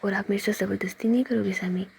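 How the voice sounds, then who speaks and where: A woman whispering the part of a shy, bashful young woman who gently scolds her partner, in a whispered role-play. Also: medium pitch, fairly even intonation, fast talker, gravelly, slight background noise, lightly acted.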